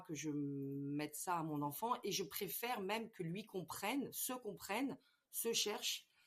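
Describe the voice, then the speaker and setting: A woman is speaking. Her pitch sits fairly low. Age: 40s. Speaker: podcast guest with ADHD, mother. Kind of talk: interview testimony. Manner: halting, many repetitions and fillers.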